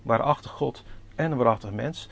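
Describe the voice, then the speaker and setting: A man's voice: mid-range voice, moderate pace, creaky, fairly bright tone. A man preaching a sermon, earnestly putting questions to the congregation and reading scripture aloud. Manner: reads scripture in old-fashioned formal Dutch.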